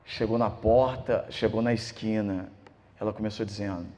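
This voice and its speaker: A man, a pastor preaching a sermon, telling a personal story in an animated way. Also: on the low side, normal speed.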